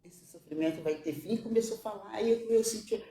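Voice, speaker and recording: Halting, tearful woman giving testimony. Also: mid-range voice, warm tone, reverberant, distant mic. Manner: halting, repeats words, tearful at times. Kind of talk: emotional religious testimony.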